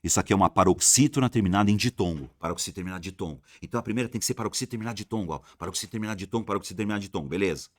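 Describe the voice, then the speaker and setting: A man's voice: deep voice, racing, few pauses, no room sound. A man teaching an exam-prep grammar lesson, repeating rules emphatically and answering imagined student questions.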